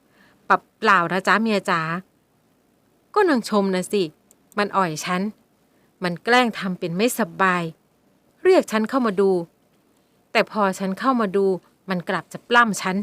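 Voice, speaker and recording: A woman's voice: medium pitch, sing-song, brisk, no room sound, lightly acted. A woman voicing a crude, leering young stepfather who taunts and lies with coarse slang. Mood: wheedling.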